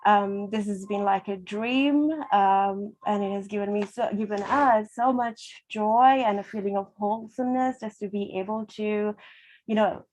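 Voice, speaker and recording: A woman's voice: mid-range voice, fairly even intonation, normal speed, a little hiss or hum. Woman from Sri Lanka, emotional and grateful. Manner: emotional, laughing softly, grateful. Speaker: event co-sponsor. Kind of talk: heartfelt speech at a ceremony.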